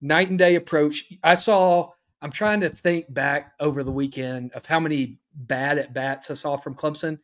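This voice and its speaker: A man co-hosting a casual sports podcast, talking in a measured, agreeable way. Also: a little high, steady tone. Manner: measured, agreeable, many "uh" fillers.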